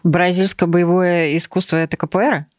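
A woman hosts a studio podcast. Her voice sits a little low and sounds close and dry. She stays friendly, with easy filler sounds and a shifting pace. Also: steady tone, fairly quick, no room sound. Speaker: podcast host. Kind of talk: hosting a studio talk show.

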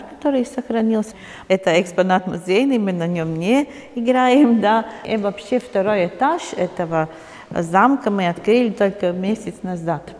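A woman's voice: mid-range voice, darkish tone. Woman tour guide in a reverberant hall. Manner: hesitant non-native Russian phrasing. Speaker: museum guide.

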